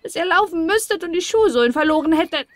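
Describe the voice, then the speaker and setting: A woman's voice: very high-pitched, lively intonation, fast talker, no room sound, pitched above the performer's own voice. A woman reading a fairy tale aloud and voicing a quarrelsome, ungrateful old male dwarf with a screeching, scolding voice. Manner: scolding, snarling.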